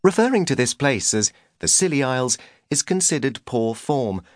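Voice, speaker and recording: A man's voice: mid-range voice, sing-song, normal speed, no echo. A man reading a humorous memoir as an audiobook narrator, with a dry, wry delivery.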